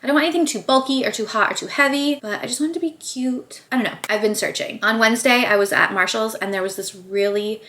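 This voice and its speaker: A woman's voice: a little high, fast, hardly any pauses, a bit bright. A young woman vlogger chatting casually at home while painting her nails, upbeat and rambling, a little out of breath. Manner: chatty, upbeat, rambling with frequent "like" and "I don't know". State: slightly out of breath. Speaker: beauty vlogger. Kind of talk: casual chat while doing a manicure. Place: dining room at home.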